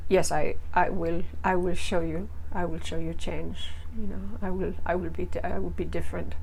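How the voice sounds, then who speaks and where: A woman's voice: lowish voice, vocal fry. A woman hosting a recap show, giving casual, opinionated commentary in a blunt, mocking way with dramatic emphasis on key words.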